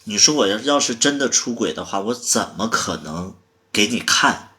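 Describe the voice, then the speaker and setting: A man's voice: on the low side, animated, very slow. A man voicing a tearful, clingy young woman who pleads with her partner over the phone, stammering through sobs. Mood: tearful pleading.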